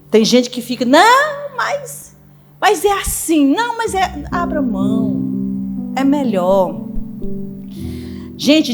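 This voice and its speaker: Woman preaching over soft music. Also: a little high. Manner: conversational preaching, frequent "tá?" check-ins. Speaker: pastor. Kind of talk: sermon. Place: church sanctuary. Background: music playing.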